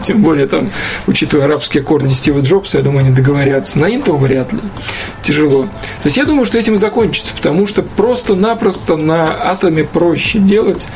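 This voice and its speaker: Guy with kinda high voice, casual tech talk, lots of slang and strong opinions, bit of music behind. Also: darkish tone, rough recording.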